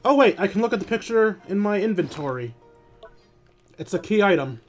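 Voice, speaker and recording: A man's voice: high voice, lively intonation, a little fast. A man doing casual livestream game commentary, talking informally with swearing and grumbling. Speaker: video game streamer. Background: music.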